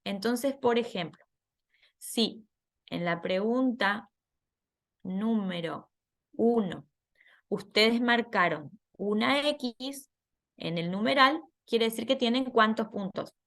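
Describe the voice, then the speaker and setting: A woman's voice: on the high side, slow pace, long pauses, fairly bright tone. A woman patiently explaining a scoring worksheet to students in an online class, laughing at herself now and then. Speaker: teacher.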